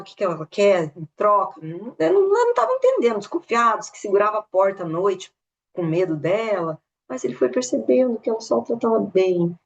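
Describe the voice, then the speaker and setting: A Brazilian woman casually retelling a story at a spiritist study talk, animated, with many tag questions and restarts. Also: mid-range voice, highs cut off. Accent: São Paulo interior Brazilian Portuguese.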